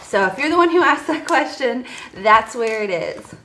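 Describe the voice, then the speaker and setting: A woman's voice: a little high, animated, moderate pace, bright, forceful tone, reverberant, slight background noise. A woman in her forties, chatting casually to viewers about her budget while counting cash at a table. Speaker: budgeting vlogger. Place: indoors at a table. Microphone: voice heard over top-down table camera, hands only.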